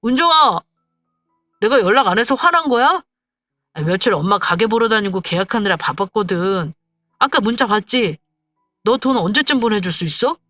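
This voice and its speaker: A woman voicing a shouting, pushy young fiancé. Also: medium pitch, animated, moderate pace, dry recording, faint music behind. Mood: wheedling. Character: angry young man, demanding fiancé.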